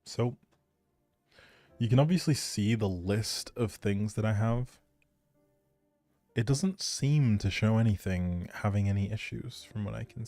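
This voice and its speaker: A man's voice: on the low side, gravelly, mellow, dry recording. A man chatting casually and thinking aloud on a gaming livestream, easygoing and polite. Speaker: video game livestreamer.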